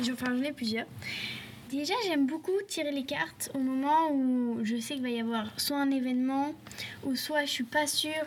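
A woman talks with a high pitch and ordinary pitch variation. Noticeable background noise sits behind her. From France, La Rochelle. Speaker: guest, aspiring writer and tattoo artist. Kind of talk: casual chat.

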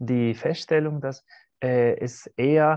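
A man speaks with a non-native accent. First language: not German (speaking German). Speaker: podcast host. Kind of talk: interview. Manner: halting, hesitant.

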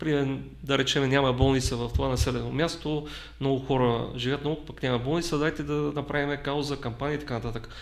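Fairly quick delivery in monotone, flat intonation, with audible room echo. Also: man, fairly high pitch for a man. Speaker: political analyst and researcher. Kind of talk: casual interview conversation.

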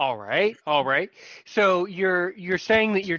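A man with an American accent has a high-pitched, bright, sharp tone, heard dry and close with no echo over a quiet background. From USA. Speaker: podcast host. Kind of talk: interview chat. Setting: online video call.

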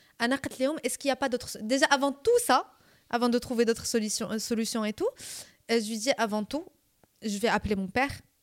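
The speech moves at a fairly quick pace broken by long, frequent pauses, with a dry, close sound and no echo. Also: woman, high pitch for a woman, ordinary pitch variation. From Morocco. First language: Arabic (speaking French). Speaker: student recounting wrongful detention. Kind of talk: testimony.

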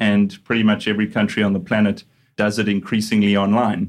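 The intonation is monotone and flat, delivered at a very fast pace. The speaker has a South African accent. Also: man. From South Africa, Johannesburg. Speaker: real estate tech executive. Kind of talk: podcast interview. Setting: studio.

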